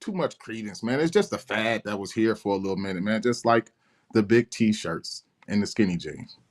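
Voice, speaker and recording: A man's voice: on the low side, expressive, normal speed. A man in his forties hosting a hip hop podcast, arguing his opinions bluntly and often repeating words. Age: 40s. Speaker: podcast host. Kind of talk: casual chat.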